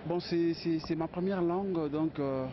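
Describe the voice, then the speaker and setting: A man's voice: a little high, measured pace, noisy background. A man from Kinshasa answers a street interviewer earnestly, with frequent hesitations. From Kinshasa, DR Congo. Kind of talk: vox pop answer. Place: busy street outdoors. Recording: dull lo-fi street recording with crowd.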